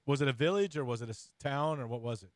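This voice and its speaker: A man hosting a casual interview, informal and bantering, with halting phrasing. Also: medium pitch, no echo, studio quality. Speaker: interview host. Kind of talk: casual, jokey chat.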